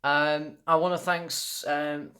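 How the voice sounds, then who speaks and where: A man's voice: fairly high pitch, level tone, slow pace, bright, forceful tone. A young man giving a casual, unscripted toy review, rambling enthusiastically and often repeating himself.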